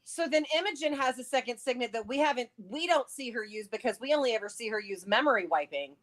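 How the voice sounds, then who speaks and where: A woman chatting casually and excitably, theorizing and thinking aloud as co-host of a livestream. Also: a little high, fast. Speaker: co-host of a book read-along livestream. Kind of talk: casual chat, theorizing about a fantasy novel.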